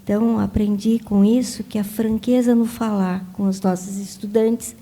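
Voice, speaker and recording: A woman with a very dark, mellow voice shares a comment at a congregation meeting. She speaks calmly, with a flat, even pitch. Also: moderate pace.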